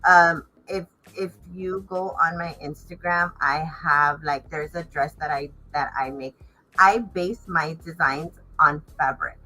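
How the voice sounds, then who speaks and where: Casting: woman, low pitch with a bright edge, informal and emphatic interview guest. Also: unhurried, soft background music, low-quality recording. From Los Angeles area, United States. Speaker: fashion designer and stylist, interview guest. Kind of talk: casual interview chat.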